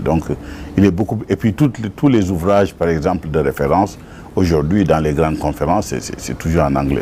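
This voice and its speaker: Over noticeable background noise, a man with a slight English accent speaks at a very deep, low pitch. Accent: French slightly anglicized. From Senegal. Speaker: engineer and presidential adviser. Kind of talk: interview. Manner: halting, many repetitions.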